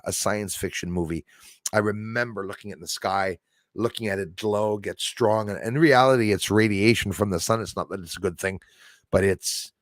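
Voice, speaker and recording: A man's voice: on the low side, no room sound, studio quality. A man chatting casually as a livestream host, enthusiastic and rambling, addressing his viewers like buddies. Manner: enthusiastic, rambling, chummy with listeners.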